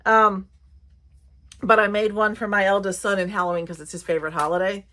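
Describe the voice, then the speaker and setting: Casting: middle-aged female vlogger, mid-pitched, slight American South accent, informal and chatty, meandering delivery that corrects itself as it goes. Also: flat delivery, a little fast, bright, forceful tone. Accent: light Southern American. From Virginia, United States. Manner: rambling, chatty, self-correcting. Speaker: haul and craft vlogger. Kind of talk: casual chatty haul video.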